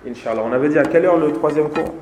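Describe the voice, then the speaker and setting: A man's voice: fairly high pitch, very fast, heavy background noise. A man teaching an Islamic seminar, speaking emphatically and repeating key phrases for his students. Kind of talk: seminar lecture. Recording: echoey hall.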